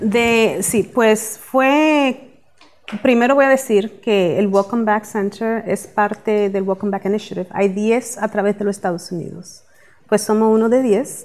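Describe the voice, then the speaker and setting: A woman speaks at a fairly high pitch and a fairly slow pace. Her intonation stays fairly even. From Rhode Island, US; born in Manhattan. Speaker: community organization worker helping immigrant professionals; interview guest. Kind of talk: interview; interview answer. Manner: hesitant with fillers. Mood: calm, warm, proud. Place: studio. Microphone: lapel.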